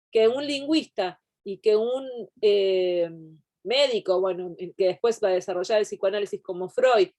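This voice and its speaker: A woman's voice: medium pitch, darkish tone. A woman teaching a university class over a video call, explaining at length with frequent digressions and restarts. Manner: digressive, explanatory, thinks aloud. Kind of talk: online class lecture.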